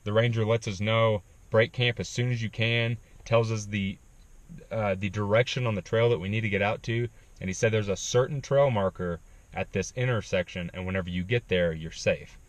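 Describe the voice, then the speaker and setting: Guy with a lowish voice telling a trail story, lots of ums, dry close sound. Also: fairly quick, no room sound. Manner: animated retelling with frequent ums. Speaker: backpacking vlogger. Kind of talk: casual storytelling.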